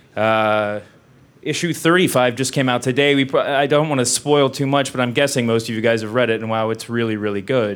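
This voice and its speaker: The man's pitch is medium, with ordinary pitch variation. He moves at a fairly quick pace. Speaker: moderator, wrestling writer. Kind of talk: moderated panel Q&A. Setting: stage with audience. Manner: nervous, hesitant, filler words.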